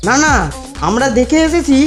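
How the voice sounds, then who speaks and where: A woman's voice: sits high, moderate pace, lightly acted. A woman voicing a crafty young cartoon schoolboy who is coaxing and mock-deferential as he plots revenge. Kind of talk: cartoon voice acting. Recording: music behind the voice. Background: music.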